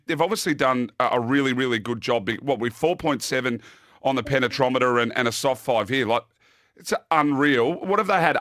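A man's voice: medium pitch, a bit bright, no room sound. Bantering Australian man hosting, dry sound. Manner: jokey, bantering. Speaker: host. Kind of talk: casual sports preview presenting.

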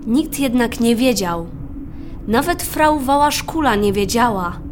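A young female storyteller played by an actress narrates a radio play in a high voice. Her delivery is very slow and measured, over clearly audible background noise. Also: animated. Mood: reflective. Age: child or teenager. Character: storyteller recalling a mining town's rumours.

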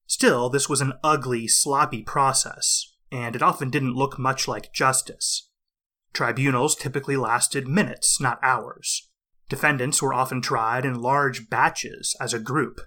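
A man hosting a history podcast, reading a scripted narration in a measured, explanatory way while getting over a cold. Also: medium pitch, fairly even intonation, pushed and bright. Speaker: podcast host.

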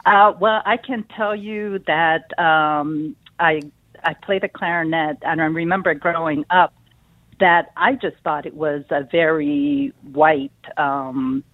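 Woman calling into the radio, phone-line sound, kinda halting with lots of ums. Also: on the low side, vocal fry, dry recording. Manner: thoughtful, halting with fillers. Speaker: caller, clarinetist. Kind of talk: call-in talk over phone. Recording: dry tinny phone line.

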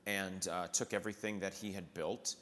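A man who performs in musical theater, telling lively anecdotes in conversation and acting out the people he quotes. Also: deep voice, moderate pace, big-room sound, slight background noise. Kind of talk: storytelling in a conversation.

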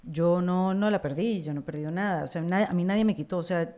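A woman's voice: lowish voice, fast, mellow. A woman from Venezuela with a Venezuelan accent, speaking conversationally as a podcast host. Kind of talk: conversational interview and sponsor read.

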